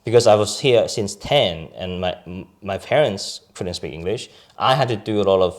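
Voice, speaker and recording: A man's voice: on the low side, normal speed. A young man with an Australian accent with a slight Asian edge, chatting as a podcast guest, telling stories with lots of "like" and "right?" and frequent laughter. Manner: chatty storytelling, laughing, many fillers like "like" and "right?". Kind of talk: casual interview chat.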